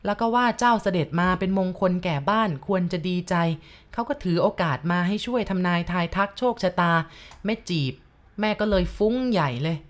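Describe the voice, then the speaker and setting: A woman voicing a weary, worried old village uncle who grumbles slowly. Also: mid-range voice, natural voice. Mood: troubled. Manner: slow, grumbling.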